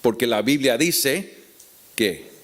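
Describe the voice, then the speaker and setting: A man with a Puerto Rican Spanish accent teaching the Bible to an audience in a deliberate, explanatory way with rhetorical questions. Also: mid-range voice, expressive, fairly bright tone. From Puerto Rico. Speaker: preacher teaching at a conference.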